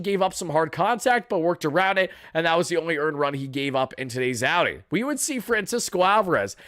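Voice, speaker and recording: A young man, hoarse from yelling, chatting through a baseball game recap for live viewers in a casual, boastful way. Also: high-pitched, no echo, clean studio sound. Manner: chatty, boastful fan banter. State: raspy from yelling. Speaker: sports fan channel host.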